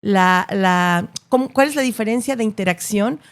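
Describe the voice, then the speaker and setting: At a normal speed and a mid-range pitch, a woman with a Latin American Spanish accent speaks as a journalist being interviewed. She explains her opinions articulately and emphatically, reinforcing each point with repeated words and rhetorical tags.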